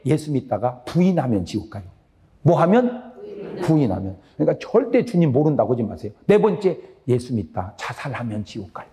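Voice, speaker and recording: A man preaching a revival sermon as pastor, asking the congregation questions and having them answer back, swinging between loud high lines and low drops. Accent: Korean. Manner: call-and-response questions to the congregation. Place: church sanctuary.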